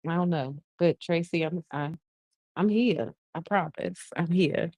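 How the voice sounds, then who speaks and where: A woman in her forties, speaking, hosting a casual livestream. She talks softly to keep her voice down, reads viewer comments aloud and laughs often. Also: fairly low pitch, unhurried, dry recording, highs cut off. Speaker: livestream host. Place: shared co-working space. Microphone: earphones mic.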